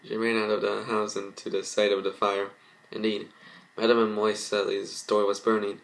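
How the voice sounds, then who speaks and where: A man's voice: on the low side, flat delivery, creaky, low-quality recording. A man reading fan fiction aloud as an amateur narrator, stumbling and restarting as he goes. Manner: halting, stumbles over words. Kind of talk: amateur dramatic story reading.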